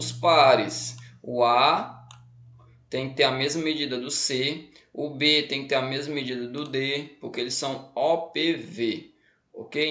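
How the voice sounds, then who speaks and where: A man speaks at a very slow pace with fairly even intonation. Room echo is audible. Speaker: school math teacher. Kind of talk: lecture.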